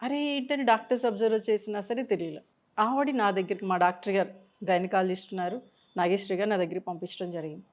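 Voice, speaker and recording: A woman's voice: mid-range voice, fast. A woman counselor giving a health advice talk to camera, explaining through patient stories and mixing in English words.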